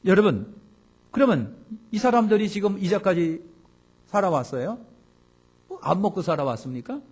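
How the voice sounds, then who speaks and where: A male pastor delivers a Sunday sermon in a fairly high voice. He preaches emphatically, rising to loud exclamations and sinking to low asides. He acts out the grumbling voices of the people he describes. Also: big pitch swings, moderate pace, breathy edge. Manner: acts out complaining voices of the congregation.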